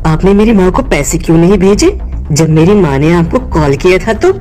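A woman voicing a proud, sharp-tongued young daughter-in-law in a cartoon story, curt and dismissive. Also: fairly low pitch, animated, moderate pace, faint music behind, close to an everyday voice. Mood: haughty. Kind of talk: Hindi cartoon moral story voice acting.

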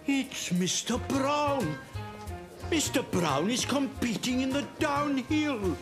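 A man voicing a concerned, genteel older gentleman in a children's cartoon. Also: very high voice, lively intonation, slow, music in the background, heavily acted. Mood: worried, amazed.

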